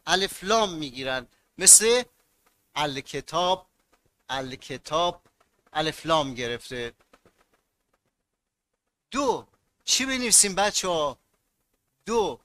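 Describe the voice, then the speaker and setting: A man's voice: a little high, pushed and bright. A man teaching a grammar lesson to students, repeating key words and asking them to fill in blanks.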